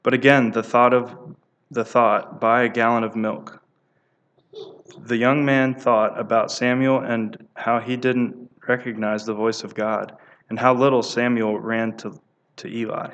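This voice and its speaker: A man giving a devotional talk who reads prayer stories aloud at a steady pace, with small stumbles and restarts. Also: mid-range voice, a little slow, highs cut off.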